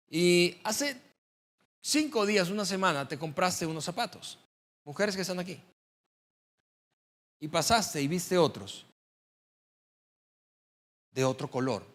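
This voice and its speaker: A man delivers a sermon to his congregation in a conversational way, with a voice pitched a little above the usual for men. He speaks as if talking with each listener, then presses hard on the words he wants to stick. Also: fairly bright tone. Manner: conversational preaching, rising to emphatic stress on key words. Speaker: pastor.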